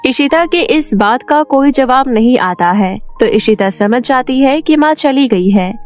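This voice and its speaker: A woman narrates a cartoon story in a steady, plain way. Her voice is high. Faint music plays underneath. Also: unhurried.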